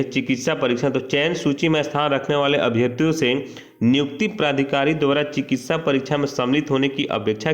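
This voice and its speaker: A man's voice: mid-range voice, highs cut off. A man giving an informal instructional walkthrough as a coaching teacher, reading out details and commenting, with frequent check-in tags. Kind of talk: informal explainer of a job notice, reading and commenting.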